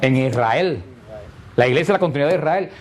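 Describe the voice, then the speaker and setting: A man with a somewhat high voice leads a catechesis class. He explains patiently, often stopping to throw a question at his listeners before he answers it himself. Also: lively intonation, a little fast. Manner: explanatory, asks rhetorical questions and answers them. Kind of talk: catechesis lesson to a group.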